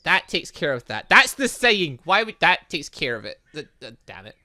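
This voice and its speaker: Bright, animated gamer commentating excitedly. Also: medium pitch, normal speed. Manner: rambling, self-interrupting, mild exasperation. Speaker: gaming video host. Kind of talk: excitable let's play commentary with read-aloud dialogue.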